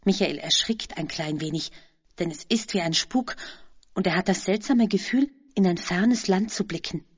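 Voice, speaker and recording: A woman reading a children's story aloud as narrator, in a calm storytelling manner. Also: lowish voice, moderate pace, breathy edge, highs cut off.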